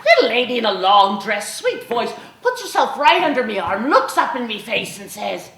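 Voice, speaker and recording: A woman voicing a brash, rowdy male mob leader with a rough folksy dialect, performing a one-woman historical story in an echoey hall. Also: a little high, big pitch swings, normal speed, a bit bright. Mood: boisterous. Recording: echoey hall, faint room noise.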